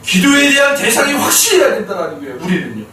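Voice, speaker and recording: A male pastor preaching a sermon in an animated storytelling way, often addressing the congregation. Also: high voice, fast talker, a crowd in the background. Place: church sanctuary. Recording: very echoey church hall, mic far off.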